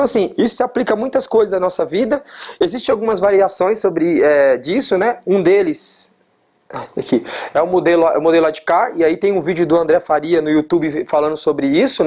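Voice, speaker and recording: A man giving an informal explanatory talk, animated, acting out everyday scenarios and often adding tag questions. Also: a little high. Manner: frequent tag questions and fillers. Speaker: presenter of a talk series.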